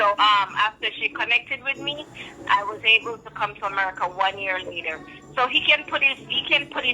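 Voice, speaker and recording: With music playing in the background, a woman talks using lively intonation. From Jamaica. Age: 60s. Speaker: caller. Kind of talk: phone-in call.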